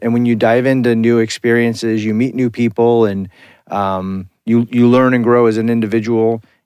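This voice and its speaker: A man's ordinary speaking voice at a moderate pace. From US Midwest, St. Louis area. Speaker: podcast host. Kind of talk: casual chat.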